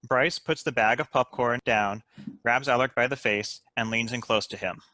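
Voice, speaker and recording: A man's voice: mid-range voice, fairly even intonation, moderate pace, bright, forceful tone, dry recording. A man reading screenplay stage directions as scripted narration.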